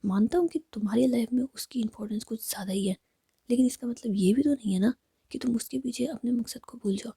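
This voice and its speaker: A woman's voice: a little high, quick pace, warm tone, breathy edge, dry recording, clean studio sound. A woman whispering the lines of a pushy young male friend on the phone, prodding and dismissive.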